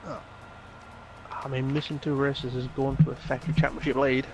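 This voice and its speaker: A man's voice: mid-range voice, little pitch movement, moderate pace, noisy background. A man interviewing a driver in a casual, joking way. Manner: light, joking questions.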